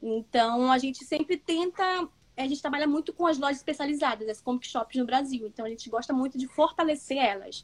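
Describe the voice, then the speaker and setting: A woman's high voice in a northern Brazilian accent, fairly quick, with a dry, close sound and no echo. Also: ordinary pitch variation. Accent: northern Brazilian (Manaus). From Manaus, Amazonas, northern Brazil. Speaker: comics editor and YouTuber. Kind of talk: interview.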